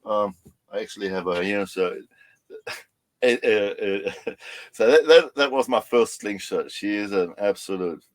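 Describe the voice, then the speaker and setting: A man's voice: fairly low pitch, measured pace, no echo. A man from Germany with a German accent touched by Australian, chatting as a podcast guest in a self-deprecating way over a remote call. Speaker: guest slingshot maker. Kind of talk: casual podcast interview.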